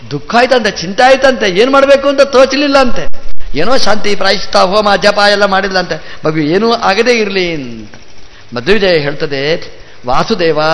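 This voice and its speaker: A monk delivers a devotional discourse in a fairly high voice, telling a sacred story. He poses rhetorical questions and plays on words as he goes. The live recording carries a long, hall-like reverb. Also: a bit bright. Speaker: monk giving a religious discourse.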